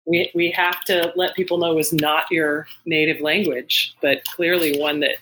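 A woman's voice: low voice, steady tone, measured pace, a bit bright, a little hiss or hum, poor audio. A woman hosting a podcast, asking questions in casual interview talk with friendly interjections. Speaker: podcast host.

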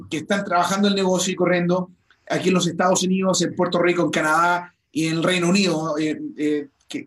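A man hosting a motivational interview, enthusiastic and full of stammered restarts. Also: high-pitched. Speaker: host.

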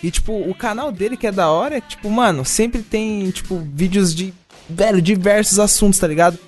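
A young Brazilian man with a fairly high voice talks in loose, slangy speech. He sounds like a podcast co-host in casual conversation, with music behind him. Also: a little fast. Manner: slangy, informal.

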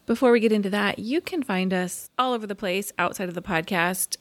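Woman podcast co-host, mid-pitched and steady, calm and measured, brisk with numbers. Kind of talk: casual chat.

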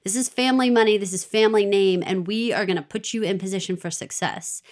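Woman, podcast co-host, casual chat, animated, laughs often. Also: medium pitch, fast. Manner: animated, laughs often, quotes characters in voices.

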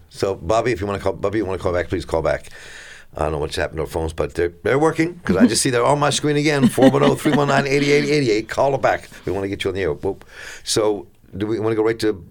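A man hosting a live call-in radio talk show from a studio, with a smooth radio host delivery. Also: fairly low pitch, expressive, fast.

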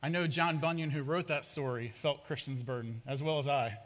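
A man's voice: on the high side, fairly even intonation, fairly quick, fairly bright tone. A man preaching a sermon as a pastor, telling a story and acting out its characters' lines. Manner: storytelling with acted-out quotes. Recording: long hall reverb.

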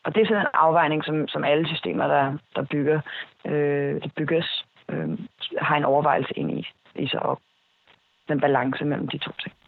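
A man's voice: fairly high pitch, steady tone, vocal fry, no room sound, phone-quality sound. A man giving long, hesitant explanatory answers in an interview, with many fillers and restarts. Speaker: interviewee, speech technology expert.

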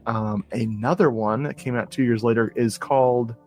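A man's voice: medium pitch, normal speed, a little mellow, soft background music. A man co-hosting a podcast in casual chat about movies, talking enthusiastically with frequent restarts and fillers. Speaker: podcast co-host.

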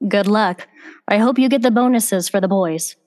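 A woman's voice: mid-range voice, moderate pace, darkish tone, lightly acted. A woman playing a friendly office secretary in old-time radio comedy style.

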